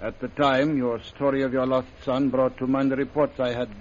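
An actor playing a scheming hunter who leads a secret society, speaking in smooth, formal, falsely polite tones, in 1930s radio drama style. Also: male voice, medium pitch, level tone, moderate pace, a little hiss or hum, lightly acted. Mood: smooth, evasive. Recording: dull old radio recording.

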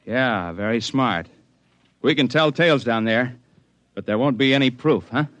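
An actor playing a mountain climber who narrates the story and trades wry jokes, in a radio drama. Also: male voice, medium pitch, lively intonation, normal speed, fairly bright tone, no echo, natural voice. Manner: wry, joking.

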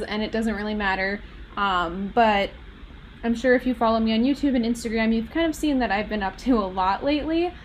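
A young woman with a Minnesotan American accent hosting a podcast as a candid, chatty, rambling and self-deprecating monologue. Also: fairly high pitch. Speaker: podcast host. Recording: noticeable background noise.

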